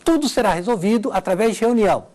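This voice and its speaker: Lively woman teaching grammar on TV. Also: mid-range voice, quick pace. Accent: Brazilian Portuguese. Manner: explains with examples, checks in with "tá?". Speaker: Portuguese language teacher. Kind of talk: televised grammar lesson.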